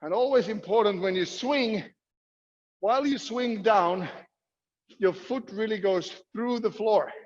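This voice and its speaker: A man with a high-pitched voice leads a workout as a coach. He gives instructions and short, encouraging commands at an unhurried pace. The sound carries the long echo of a hall. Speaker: squash fitness coach leading a workout. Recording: muffled, echoey hall sound.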